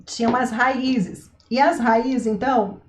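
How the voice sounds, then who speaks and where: A woman's voice: a little high, steady tone, a little slow, echoey room, a little hiss or hum. A woman, a parenting educator, talking casually to camera. She asks rhetorical questions and keeps checking in with her listeners. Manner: chatty, asks rhetorical questions, says "né" and "tá" often. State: throat itch, coughs now and then.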